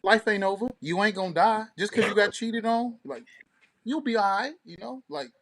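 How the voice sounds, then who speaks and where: A man co-hosting a casual radio talk show, talking in slangy, profane, animated banter and storytelling. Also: sits high, moderate pace, creaky.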